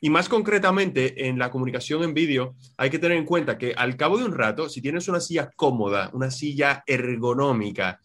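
A man from Spain with a Spanish accent, a communication trainer giving measured, instructive answers in an interview over a video call. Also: medium pitch, fairly bright tone. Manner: measured, instructive, slows down on key words.

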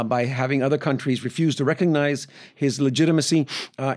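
A man from Venezuela, a professor being interviewed, who explains at length in a measured way with many hesitations and restarts. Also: mid-range voice. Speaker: guest professor. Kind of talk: conversational interview answers.

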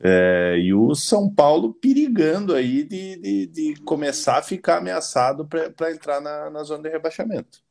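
A Brazilian man co-hosting a casual sports podcast, relaxed and often stumbling over his words. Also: fairly high pitch, moderate pace, vocal fry, few pauses. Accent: Brazilian Portuguese. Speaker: podcast co-host.

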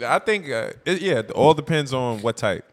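A man's voice: medium pitch, lively intonation, normal speed. A man hosting a casual group talk show in a slangy, joking way.

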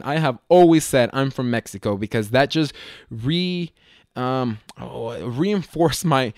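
A man's voice: medium pitch, no room sound, studio quality. A young man from Las Vegas telling a travel story in a rambling, slangy, self-correcting way. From Las Vegas, USA. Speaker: vlogger. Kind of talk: casual storytelling.

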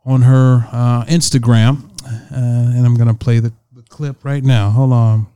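A man's voice: mid-range voice, flat delivery, measured pace, dark tone, clean tone. A young man hosting a casual podcast chat, laid-back and chuckling, with lots of fillers. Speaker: podcast host.

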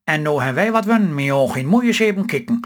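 A woman's voice: sits low, fast talker. A man reading a storybook voice of a hopeful, chatty rural housewife who chides her husband, in Stellingwerf dialect. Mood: eager, chiding. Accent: Stellingwerf Low Saxon dialect. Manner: lively, chiding, optimistic.

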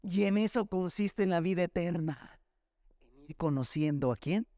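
A man, preaching a storytelling sermon as pastor. He keeps calling the listener brother and slows down fervently to stress his points. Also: high voice, mellow, no room sound.

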